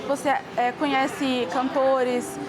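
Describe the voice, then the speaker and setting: High-voiced earnest young woman. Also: little pitch movement, slow pace, a crowd in the background, poor audio. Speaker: interviewee. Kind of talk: casual interview testimony. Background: background music.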